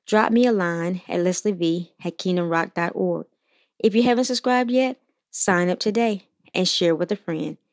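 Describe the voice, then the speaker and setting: A woman hosting a Christian motivational podcast, reading scripture and encouraging listeners in an earnest, steady way. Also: on the low side, dry recording, clean studio sound. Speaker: podcast host.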